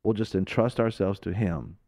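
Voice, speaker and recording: A man preaching on a Christian radio talk show, fervent and emphatic, swinging between loud declarations and hushed, slow lines. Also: fairly low pitch, gravelly.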